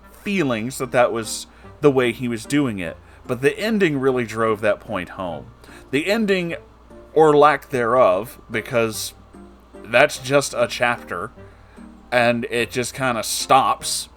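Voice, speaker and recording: A man's voice: mid-range voice, fairly bright tone. A man giving casual, sweary commentary on a book as host, sarcastic and emphatic in his delivery. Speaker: host of a book reading series.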